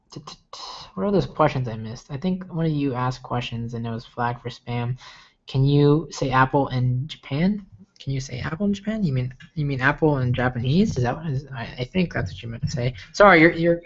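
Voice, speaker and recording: A man's voice: medium pitch, muffled recording. A young man from the States hosting a casual livestream Q&A, chatty and rambling with lots of fillers and restarts. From United States. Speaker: livestream host answering viewer questions.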